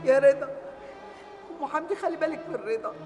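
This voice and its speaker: A woman's voice: high voice, fairly quick, big-room sound, natural voice. An actress with an Egyptian accent playing a hopeless young woman who consoles her family tearfully. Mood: sorrowful. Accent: Egyptian Arabic. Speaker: prisoner saying farewell. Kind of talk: TV drama acting. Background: music score.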